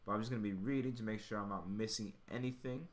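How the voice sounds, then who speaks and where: Low-voiced man tutoring step by step. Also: fairly even intonation, fast talker. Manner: thinking aloud while working. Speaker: chemistry tutor. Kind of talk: informal step-by-step tutoring explanation.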